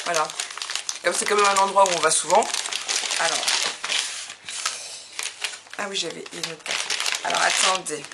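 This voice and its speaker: A woman from France chats casually while opening fan mail for her craft videos, laughing often and gushing with enthusiasm. Her voice is low-ish and creaky, and background noise is audible.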